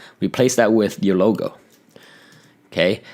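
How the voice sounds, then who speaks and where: A man talks at a fairly quick pace in an animated tone. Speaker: video editing tutorial creator. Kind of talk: tutorial. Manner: fast; casual, animated.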